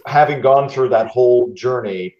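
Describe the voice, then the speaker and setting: A man's voice: medium pitch, normal speed. A man chatting casually on a podcast, talking in an effusive, meandering and thoughtful way. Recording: roomy, echoey, dull lo-fi call audio.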